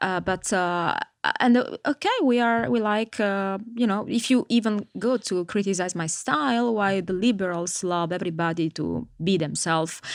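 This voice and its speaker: A woman's medium-pitched voice with an Italian accent, ordinary pitch variation and a moderate pace. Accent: Italian accent, clearly noticeable. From Italy. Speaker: podcast guest, wife of the host. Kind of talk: casual chat. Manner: hesitant, with many fillers.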